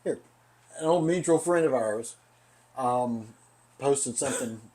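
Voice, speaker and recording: A man's voice: medium pitch, measured pace, darkish tone. Rambling, swearing male podcast co-host. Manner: rambling, swears casually, hedges his claims. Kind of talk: casual chat.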